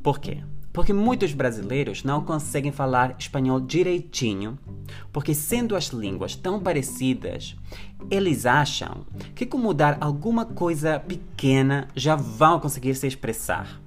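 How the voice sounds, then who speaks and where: A man's voice: mid-range voice, very animated, normal speed, faint music behind. A native Spanish-speaking man with a Spanish accent in Portuguese, hosting a language-learning podcast and talking straight to listeners in an encouraging way. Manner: encouraging, direct address to the listener. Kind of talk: solo podcast monologue addressed to listeners.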